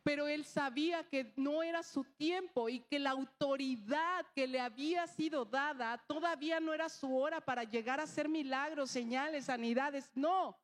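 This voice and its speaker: A woman's voice: high voice, moderate pace, hardly any pauses. A woman preaching a sermon, mixing a personal story with rhetorical questions and acted-out dialogue.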